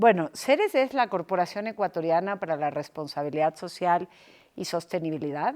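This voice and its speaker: On a very clean recording with a silent background, a woman speaks at a fairly low pitch with lively intonation. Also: moderate pace. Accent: slight Argentine. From Argentina. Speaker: director of a sustainability business association. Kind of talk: interview.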